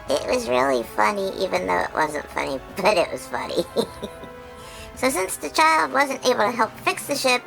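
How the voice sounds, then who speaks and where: A woman voicing an excitable, childlike male creature who hosts a chatty episode recap, bubbly and full of giggles and squeals. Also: fairly high pitch, gravelly, full character voice, rough recording. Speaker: recap host.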